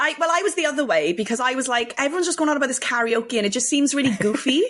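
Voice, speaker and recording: A woman with a Welsh accent speaks very fast in a high pitch, her tone animated and her intonation lively, against noticeable background noise. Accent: Welsh twang. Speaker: Twitch streamer and content creator. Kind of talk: casual chat.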